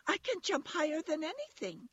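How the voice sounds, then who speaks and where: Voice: sits high, wildly swooping pitch, normal speed, a bit bright, no echo, lo-fi sound, voice pushed up, full character voice. A narrator voicing a small, young toy rabbit in a storybook, timid, defensive and wistful, with a plaintive, insistent way of talking. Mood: defiant.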